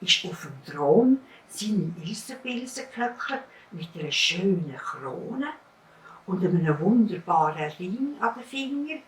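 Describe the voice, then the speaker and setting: A woman's voice: lowish voice, takes it slowly, a little hiss or hum. Swiss German woman telling a folk tale. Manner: lively, vivid storytelling. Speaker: storyteller. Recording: roomy, heard from a distance.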